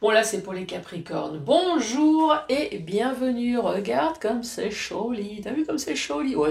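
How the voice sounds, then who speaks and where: Speaking very slowly with an Alsatian accent, this voice hardly pauses at all over noticeable background noise. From Alsace. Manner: cheerful, chatty.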